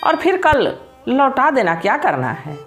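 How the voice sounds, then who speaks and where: A woman's voice: high voice, very animated, unhurried, soft background music, pitched above the performer's own voice. Woman doing a kind old grandfather. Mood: gentle. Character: kind old village grandfather, a god in disguise.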